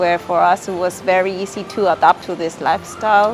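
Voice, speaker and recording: A woman speaks at medium pitch and a moderate pace with fairly even intonation while music plays in the background. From Peru. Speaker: church community member. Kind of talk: interview.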